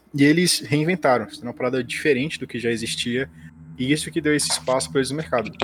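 A man's very fast speech with ordinary pitch variation and noticeable background noise. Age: 20s. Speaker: podcast guest, gamer. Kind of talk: casual chat.

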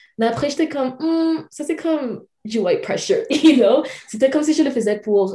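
A woman speaks with a dark, mellow tone. Her pace is moderate. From Calgary, Alberta (born in Cameroon). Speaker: university student. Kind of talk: casual chat.

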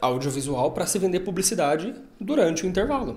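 Talking fairly quickly, a man is heard with audible room echo and noticeable background noise. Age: 30s. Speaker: podcast host. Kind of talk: casual chat.

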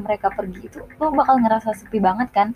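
A woman talks at a very fast pace in a fairly high pitch with ordinary pitch variation. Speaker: podcast host, university student. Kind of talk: casual chat. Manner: animated.

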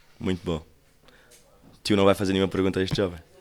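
A man's fairly low-pitched voice against noticeable background noise. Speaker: podcast host. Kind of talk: casual chat.

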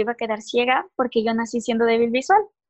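The pace is very fast. A woman talks at a high pitch. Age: 20s. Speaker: music student and TikToker. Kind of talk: interview testimony.

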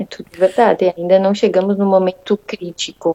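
The speech moves at a fairly slow pace with a dark, mellow tone. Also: woman. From southern Brazil, Rio Grande do Sul (Bento Gonçalves). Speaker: Brazilian living abroad. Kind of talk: remote interview.

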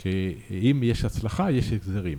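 The man's voice sits fairly low in pitch, with a dark, mellow tone. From Israel. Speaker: foundation executive director. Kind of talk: interview. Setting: office.

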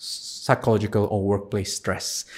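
On a very clean recording with a silent background, a man with a non-native accent speaks at a moderate pace. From Singapore, born in Indonesia. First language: not English. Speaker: surgeon. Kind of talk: interview.

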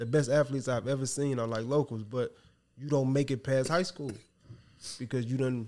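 Long, frequent pauses break up the speech. Otherwise the pace is fairly quick and the intonation fairly even. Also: man, medium pitch for a man. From Detroit. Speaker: mayoral candidate. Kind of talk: casual chat. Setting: studio.

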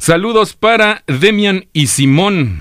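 His pitch swings very widely as this man speaks. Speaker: radio host. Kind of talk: casual chat. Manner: animated.

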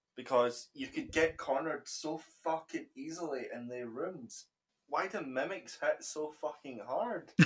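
Using an ordinary speaking voice, a man speaks at a fairly slow pace with a fairly high pitch and ordinary pitch variation. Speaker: podcast host.

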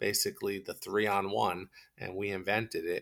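Speaking with an American accent, a man uses a fairly low pitch and a bright, sharp tone at a fairly slow pace. The recording is very clean, with a silent background. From New Jersey. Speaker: sports league CEO and co-founder. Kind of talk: interview. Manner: halting, many fillers.

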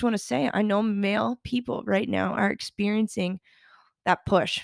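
A woman uses a normal speaking voice, fairly high in pitch, with lively intonation at a moderate pace, the sound dry and close with no echo. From Canada. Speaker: spiritual podcast host. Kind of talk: solo podcast monologue.

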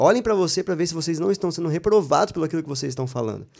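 Lively intonation marks a man's fairly high voice in a very clean recording with a silent background. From Curitiba, southern Brazil. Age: 30s. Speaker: missionary leader. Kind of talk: interview testimony.

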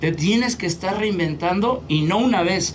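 Through noticeable background noise and audible room echo, a man speaks in a high pitch with ordinary pitch variation. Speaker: comedian. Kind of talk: casual chat.

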